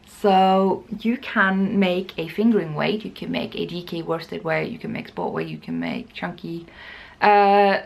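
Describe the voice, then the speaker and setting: Creaky-voiced woman chatting casually. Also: lowish voice. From Norway. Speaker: knitting podcast host. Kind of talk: casual chat to camera.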